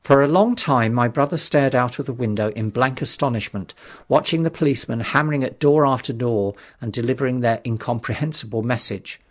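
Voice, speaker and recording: Male audiobook narrator, measured and dramatic. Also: mid-range voice. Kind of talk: scripted literary narration.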